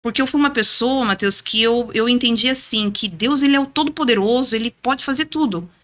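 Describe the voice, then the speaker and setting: Bright-voiced woman sharing a testimony. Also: fairly high pitch, a little fast. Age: 30s. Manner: earnest, lively storytelling with frequent "né?". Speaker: podcast guest. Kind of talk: testimony in casual chat.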